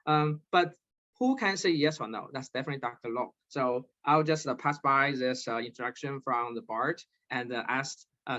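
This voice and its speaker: A man hosting an online talk, moderating with many halting fillers and restarts over a video call. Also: fairly high pitch, a bit bright. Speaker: webinar host and moderator. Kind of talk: hesitant online panel moderation. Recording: slightly dull lo-fi video call audio.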